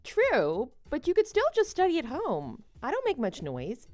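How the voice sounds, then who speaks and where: A woman playing a devoted but slightly needy wife in a scripted online story drama, speaking in an expressive, conversational way. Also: high-pitched, moderate pace, no echo, soft background music. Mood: doubtful.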